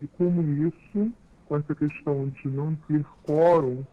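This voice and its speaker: A woman's voice: low-pitched, fairly even intonation, normal speed. A woman whose voice is disguised by a voice changer, giving a matter-of-fact, step-by-step account as an anonymous caller in a recorded statement. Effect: voice changer distorting the voice. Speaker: anonymous caller who works at the bar association. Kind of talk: recorded statement played on a radio show. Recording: tinny phone-like recorded clip.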